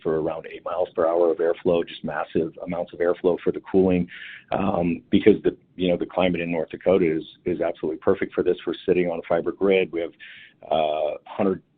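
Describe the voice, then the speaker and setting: Deep husky man on a phone line. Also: little pitch movement. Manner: halting, many restarts and fillers. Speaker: company executive answering analyst questions. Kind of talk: earnings call answer.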